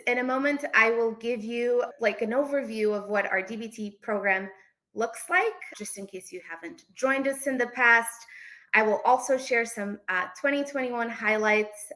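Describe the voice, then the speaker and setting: A woman from Portugal presents informally to an online audience. Her voice is bright and forward, sitting a little high as she explains things. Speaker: events manager presenting a talk.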